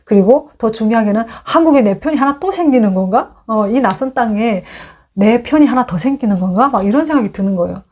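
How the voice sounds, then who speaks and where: A woman's voice: fairly high pitch, fairly quick. A woman in her thirties, originally from North Korea, telling a personal story in a casual monologue and acting out the dialogue as she goes. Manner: animated, acts out quoted dialogue. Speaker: YouTube host sharing her story.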